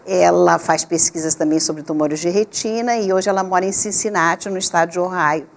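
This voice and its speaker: An older woman, born in Portugal and raised in Rio, speaking as a doctor guest on a TV talk show in a measured, reflective way with pauses. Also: lowish voice, gravelly, slight background noise. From Portugal, raised in Rio de Janeiro. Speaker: guest, gynecologist. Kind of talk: relaxed interview talk.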